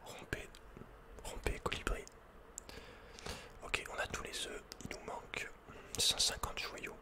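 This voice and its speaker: A man whispering playful, casual ASMR commentary over a video game in a breathy, unvoiced voice, close to the microphone. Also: slow pace.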